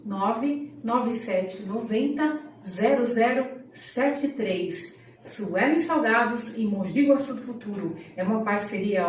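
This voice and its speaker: A Brazilian woman co-hosting a podcast, reading sponsor ads in an upbeat sales voice. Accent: Brazilian Portuguese. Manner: upbeat sales pitch with a drawn-out tagline. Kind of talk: scripted ad reading. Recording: roomy echo, distant from the mic, faint background noise.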